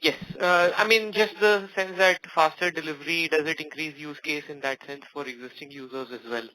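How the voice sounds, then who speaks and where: A man asking questions as a financial analyst on an earnings call, with halting starts. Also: fairly high pitch, fairly even intonation, sharp tone, poor audio.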